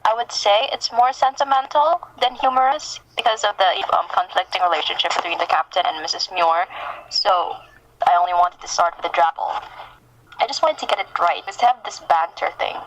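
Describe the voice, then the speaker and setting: A woman guest in a casual fan chat, talking in a gushing, excitable and informal way. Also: mid-range voice, brisk, poor audio. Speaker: podcast guest, fan fiction writer.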